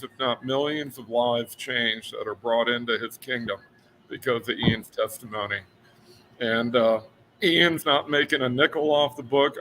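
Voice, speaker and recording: A man's voice: medium pitch, fairly bright tone, slight background noise, rough recording. An older man from Florida, a guest on a talk show, speaking earnestly and unhurriedly with frequent fillers. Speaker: guest author. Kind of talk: casual interview chat.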